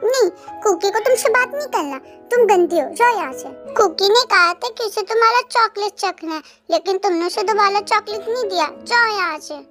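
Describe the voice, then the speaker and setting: Pouty grown man with a small boy's mind, clingy, sulky, squeaky high voice, soft music behind, woman doing the voice. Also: animated, a little fast. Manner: pouty, whiny, refers to himself by pet name. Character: man with mind of a five-year-old boy, sulky and clingy. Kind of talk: storybook reading with voices.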